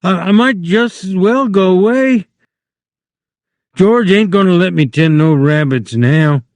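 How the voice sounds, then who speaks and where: Man putting on a childlike giant of a man, high-pitched, anxious, rural drawl, audiobook, dry recording. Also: animated, takes it slowly, warm tone, no echo. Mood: pleading. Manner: anxious, pleading, rural dialect. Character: simple-minded hulking grown man, pleading and childlike.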